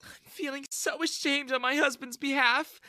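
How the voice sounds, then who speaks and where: A storyteller voicing an emotional, clingy middle-aged mother, in a high put-on voice. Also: fairly even intonation, moderate pace, sharp tone, no room sound. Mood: pleading.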